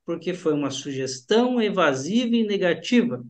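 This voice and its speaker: A Brazilian man explains hypnosis to a class in a lively, demonstrative lecture. His voice sits fairly high for a man, and he keeps varying his intonation to act out what he teaches. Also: moderate pace. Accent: Brazilian Portuguese.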